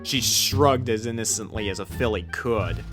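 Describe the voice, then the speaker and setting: A man's voice: fairly low pitch, normal speed, over music. A man reading a scripted story aloud as its narrator. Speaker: fan fiction narrator.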